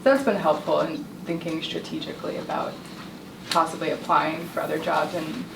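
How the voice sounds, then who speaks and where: A young woman, a doctoral fellow, speaking haltingly with many fillers in a group discussion. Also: deep voice, level tone, creaky. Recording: roomy, distant, noisy.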